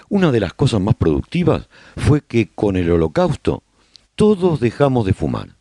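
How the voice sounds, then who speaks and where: Nostalgic apocalypse survivor, radio drama narration, low husky voice, measured storytelling, dry close sound. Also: male voice, warm tone, no echo, heavily acted. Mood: nostalgic, reflective. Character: male survivor chronicling life in a post-apocalyptic colony, nostalgic. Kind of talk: scripted first-person radio drama narration.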